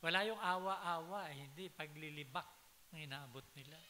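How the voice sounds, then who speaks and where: High bright pastor guy preaching in a church hall, long echo, bit of hiss, tells stories and gets loud at the big points. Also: normal speed. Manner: storytelling, mixing English phrases, rising to emphatic peaks. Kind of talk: sermon.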